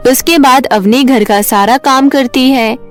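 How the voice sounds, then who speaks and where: A woman with a high voice narrates a children's tale. Her delivery is scripted storytelling. Faint music plays underneath. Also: a little slow.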